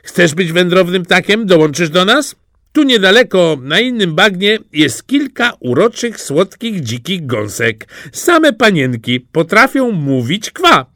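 A man's voice: high-pitched, sing-song, measured pace, bright, forceful tone, no room sound, studio quality, voice pushed up, heavily acted. A man voicing two cocky young male wild ganders in a storybook, talking in a brash, teasing way.

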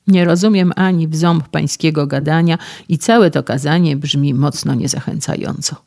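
A man reading an audiobook, voicing an agitated, injured young man who shouts his complaints. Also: fairly high pitch, steady tone, moderate pace, gravelly, no room sound, clean studio sound. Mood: indignant.

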